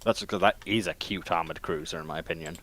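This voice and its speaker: A man chatting casually as a panelist, phrasing his thoughts in a halting, thoughtful way. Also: low-pitched, a bit bright.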